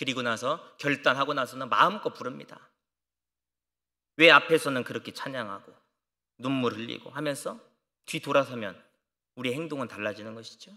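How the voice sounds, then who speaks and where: A man with a bright, sharp tone and a medium pitch speaks at a moderate pace, using ordinary pitch variation and long, frequent pauses. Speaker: pastor. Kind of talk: sermon. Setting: church.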